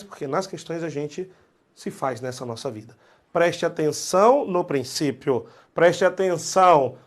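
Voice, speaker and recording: A man with a Brazilian Portuguese accent teaching a math exam-prep lesson, blunt and emphatic, repeating key points in slangy talk. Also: a little high.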